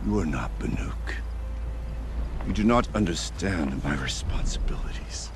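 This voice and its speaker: An actor playing a proud, stubborn tribal hunter chieftain in a video game, speaking in a solemn, defiant, formal way. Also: male voice, low voice, lively intonation, unhurried, gravelly, music in the background, heavily acted. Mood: stern warning. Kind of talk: dramatic video game acting.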